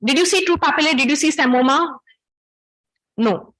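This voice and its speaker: A woman's voice: high-pitched, normal speed, fairly bright tone. A woman with a South Asian accent giving an interactive academic lecture as a medical teacher, in a didactic manner that puts questions to her listeners.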